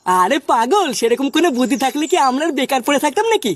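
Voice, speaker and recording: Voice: sits high, sing-song, fast, no room sound. A performer voicing an easygoing, practical young village man in a comic cartoon, colloquial and doubtful. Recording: background noise with chirping birds.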